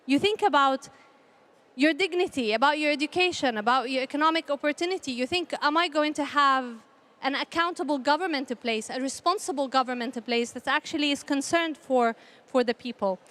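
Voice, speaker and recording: A woman from Palestine giving earnest, measured panel remarks in a formal style, often repeating phrases for emphasis. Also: high voice, fairly bright tone. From Palestinian, grew up in a conflict country. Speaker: panel speaker, peace initiative representative.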